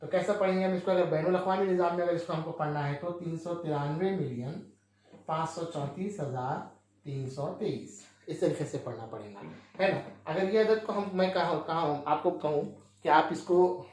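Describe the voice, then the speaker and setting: A man's voice: a little high, moderate pace, a little mellow, heavy reverb. A male teacher explaining a maths lesson, who asks questions and answers them himself with frequent checks on his listeners.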